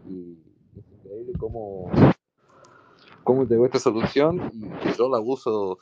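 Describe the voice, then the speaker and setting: A man's voice: fairly low pitch, measured pace, darkish tone, breathy edge. A man on an online call whose muffled audio keeps cutting out. He talks with hesitations and repeated words, often adding "¿no?". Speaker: panel guest in an online call. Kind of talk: casual discussion. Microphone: finger over a call microphone.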